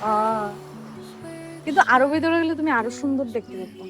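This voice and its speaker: Young woman from india vlogging, highish voice, chatty n expressive, bit of english mixed in, soft music behind. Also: fairly quick. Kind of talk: casual vlog chat to camera and companion.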